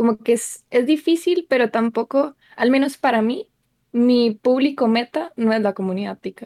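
A woman's high-pitched voice with a dark, mellow tone, ordinary pitch variation and a moderate pace, in a dry, close sound with no echo. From Costa Rica. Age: 20s. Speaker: streamer. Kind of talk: casual chat.

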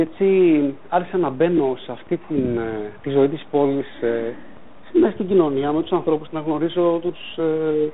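The man's voice has a fairly high pitch. He speaks at a fairly slow pace. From Athens, Greece, with Chania family roots. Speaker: author and musician. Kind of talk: interview, personal reminiscence. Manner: hesitant, many fillers.

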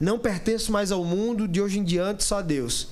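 There is audible room echo. A man talks with ordinary pitch variation. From Moreno, Pernambuco, Brazil. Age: 20s. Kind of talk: podcast interview. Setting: meeting room of a radio station.

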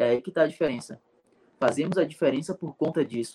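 This man's voice sits fairly high, with a dark, mellow tone and ordinary pitch variation. He talks at a fairly quick pace, and the sound is dry and close with no echo. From Brazil, southern Bahia, Pataxó people. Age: 20s. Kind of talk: panel talk.

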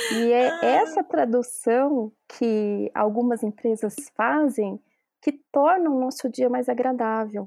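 A woman speaks at a very slow pace and high pitch, with ordinary pitch variation and a dark, mellow tone. Her loudness stays very even, and the sound is dry and close with no echo. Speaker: food scientist. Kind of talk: casual interview.

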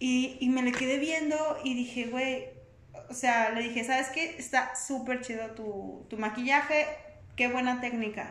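A woman with a Mexican accent, high-pitched and fairly slow, with fairly even intonation, audible room echo and noticeable background noise. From Mexico, Aguascalientes. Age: 30s. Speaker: podcast co-host. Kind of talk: casual chat.

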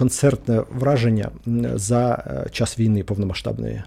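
Somewhat breathy and dark, mellow in tone, a man's medium-pitched voice moves at a fairly slow pace. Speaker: podcast host. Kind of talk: casual chat.

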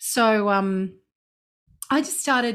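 The speaker is a woman with an Australian accent. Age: 40s. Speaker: singer-songwriter. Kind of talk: casual chat. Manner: animated.

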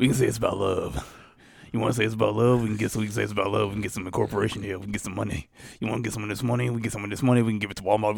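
A man's raspy, put-on character voice, fairly low in pitch, with fairly even intonation at a very fast pace. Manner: scheming, sinister.

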